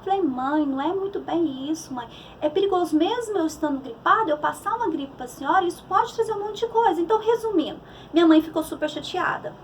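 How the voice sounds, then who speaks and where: High-voiced Brazilian woman psychologist. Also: expressive, fast talker, distant mic, slight background noise, low-quality recording. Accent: Brazilian Portuguese. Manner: conversational, with many restarts and fillers. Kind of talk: church talk on emotions.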